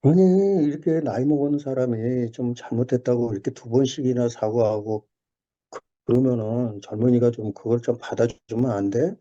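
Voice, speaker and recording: Middle-aged man, church testimony over a lo-fi call, animated storyteller, deep dark tone. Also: normal speed. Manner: storytelling, animated, with many restarts and fillers. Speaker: church member sharing testimony. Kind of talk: personal testimony in a video call. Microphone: video call. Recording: dull lo-fi video call audio.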